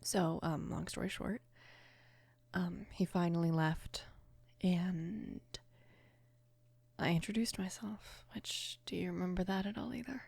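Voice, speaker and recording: A woman of about twenty playing a mafia boss's protective, casual daughter in an intimate ASMR roleplay, speaking softly and unhurriedly, often slipping into a whisper. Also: steady tone, dry recording, heavily acted. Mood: casual, shy. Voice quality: soft, breathy whispering mixed with low murmur. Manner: hesitant, unhurried, casual with small pauses. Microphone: close microphone, dry.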